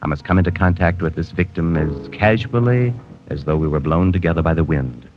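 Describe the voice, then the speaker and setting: An actor playing a cold, precise male killer narrating his diary in a 1940s radio drama, calm, clipped and detached. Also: low voice, fairly quick, lightly acted. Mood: cold, clinical. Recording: dull old radio broadcast with music.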